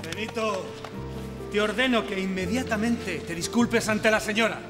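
A man's voice: high voice, normal speed, over music, lightly acted. An actor in a TV sitcom playing a commanding but easily flustered male boss with a Spanish accent. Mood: stern. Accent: Spanish, from Spain. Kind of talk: broadcast sitcom acting.

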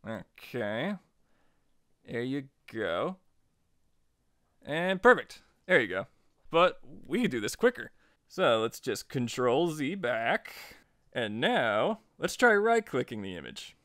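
A man narrating a software tutorial in a chatty, informal way, guiding step by step. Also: medium pitch, dry recording, studio quality. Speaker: tutorial host.

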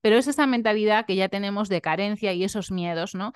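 Talking fast in a smooth, mid-range voice, a young nutritionist shares reflective, heartfelt vlog thoughts and leans on tag questions. The clean studio sound carries no echo.

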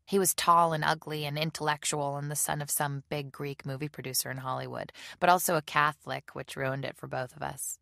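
A woman reading a novel aloud as a measured, subdued first-person audiobook narration. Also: deep voice, fairly even intonation, vocal fry, pushed and bright, no room sound, clean studio sound. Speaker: audiobook reader.

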